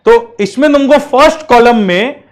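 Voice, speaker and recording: A man gives a classroom law lecture in a fairly high voice. He mixes English legal terms into his speech. He keeps checking that the students are following. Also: a little slow. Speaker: teacher.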